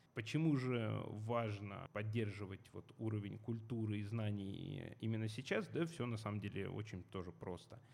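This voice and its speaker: Moderately paced and with hardly any pauses, a man speaks in an ordinary speaking voice at a fairly low pitch with ordinary pitch variation. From Moscow, Russia. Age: 20s. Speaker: history and social studies tutor. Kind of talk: interview.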